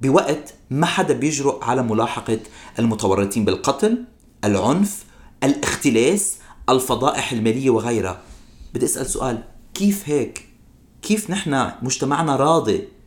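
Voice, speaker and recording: An ordinary speaking voice: a man at medium pitch, with lively intonation and a fairly slow pace. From Lebanon. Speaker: news anchor. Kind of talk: interview.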